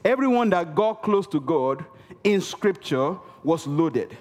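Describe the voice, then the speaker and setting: A man's voice: fairly high pitch, animated, slow pace, darkish tone. Emphatic male preacher in a reverberant hall. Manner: emphatic, repeats key words for effect; calls for audience response. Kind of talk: sermon. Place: church hall.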